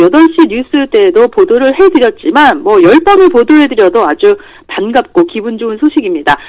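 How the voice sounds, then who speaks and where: Woman, radio entertainment reporter, very varied intonation, lively news delivery, close dry sound. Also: high-pitched, no echo, low-quality recording. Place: radio studio.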